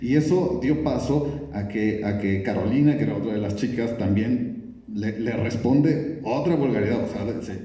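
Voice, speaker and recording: A man's voice: mid-range voice, normal speed, mellow. A man, a film director, answering at a press conference, thinking aloud with many restarts. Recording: echoey room, from a distance.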